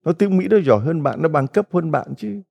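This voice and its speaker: A man's voice: fairly high pitch, animated, a little fast, gravelly, dark tone. A middle-aged man, a Catholic priest, giving a folksy retreat homily full of stories and rhetorical questions to the congregation.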